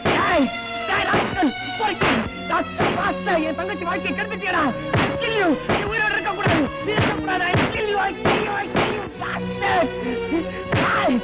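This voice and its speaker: A man's voice: extremely high pitch, a little fast, rough recording. An actor playing a young man, an outraged and grieving elder brother, in emotional film dialogue. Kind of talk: 1980s Tamil film dialogue. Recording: film soundtrack with loud music behind.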